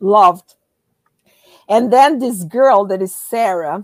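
A woman with a Portuguese accent and lively intonation at a fairly slow pace, the sound dry and close with no echo. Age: 40s. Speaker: religious studies researcher. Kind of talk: interview conversation.

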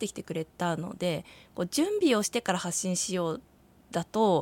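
A woman at a moderate pace, medium pitch and ordinary pitch variation. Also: dry, close sound with no echo. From Hokkaido, Japan (Obihiro). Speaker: nonprofit founder and director in medical welfare support. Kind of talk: interview. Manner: hesitant, many fillers.

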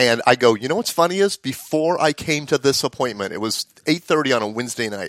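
The speech runs at a fairly quick pace with lively intonation and hardly any pauses. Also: man, medium pitch for a man. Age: 50s. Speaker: filmmaker. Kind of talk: casual chat. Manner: halting.

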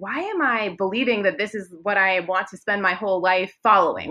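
The intonation is fairly even and the pace moderate. It is a normal speaking voice. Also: woman. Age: 30s. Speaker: teacher. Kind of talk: casual chat.

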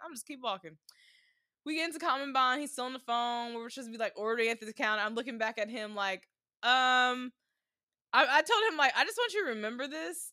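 A woman speaks at a very fast pace in a high pitch with a bright, sharp tone. Her pitch variation is ordinary, and the recording is very clean with a silent background. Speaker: podcast host. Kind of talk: casual chat.

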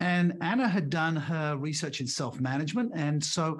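This man's voice is fairly high and somewhat breathy, with ordinary pitch variation at a moderate pace. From England. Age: 60s. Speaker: leadership coach and author. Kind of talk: interview. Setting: video call.

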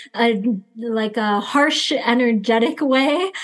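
A woman speaks with a fairly high pitch and ordinary pitch variation, in a Californian accent. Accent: Californian American. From Los Angeles, US. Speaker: reality TV contestant. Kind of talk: casual interview.

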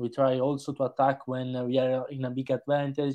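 Over a quiet background, a man talks at medium pitch with a dark, mellow tone. He has an Italian accent and keeps a moderate pace. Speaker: football podcaster, Fiorentina fan. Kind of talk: casual interview. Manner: halting, hesitant.

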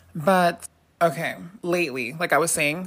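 A woman with an unremarkable speaking voice talks at a fairly low pitch with ordinary variation, captured in a very clean recording against a silent background. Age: 20s. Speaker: solo podcaster. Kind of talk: casual monologue.

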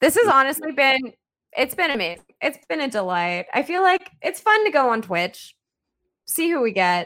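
Raised and projected, a woman's high-pitched voice has a bright, sharp tone and very wide pitch swings at a moderate pace. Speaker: dating podcast host. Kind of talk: casual chat. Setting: live-streamed podcast recording. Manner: loud; animated.

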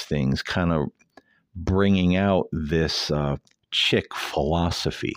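Very slow speech from a man with a very deep, low pitch and ordinary pitch variation, dry and close with no echo. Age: 50s. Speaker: podcast host. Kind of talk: solo podcast monologue. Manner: frequent filler words and repetitions.

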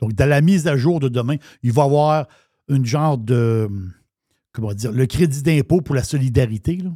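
A man speaks at a medium pitch and a moderate pace, with ordinary pitch variation. His tone is dark and mellow, with long, frequent pauses. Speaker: radio co-host. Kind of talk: casual chat.

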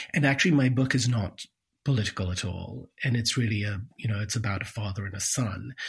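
Somewhat breathy, the speech runs fairly quickly with ordinary pitch variation. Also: man, fairly low pitch for a man. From Pakistan. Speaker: novelist. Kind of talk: interview.

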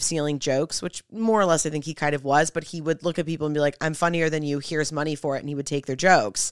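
A woman is heard on a very clean recording with a silent background. The sound is dry and close with no echo. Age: 30s. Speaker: podcast host. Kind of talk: casual chat.

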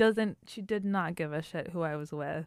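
A woman with an American accent speaks at a moderate pace in a normal speaking voice with ordinary pitch variation. The recording is very clean with a silent background and a dry, close sound with no echo. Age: 30s.

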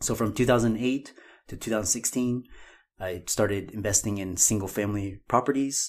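A normal speaking voice at a moderate pace with fairly even intonation, on a very clean recording with a silent background. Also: man. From Texas, Houston. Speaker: podcast host, physician. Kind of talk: solo podcast monologue.

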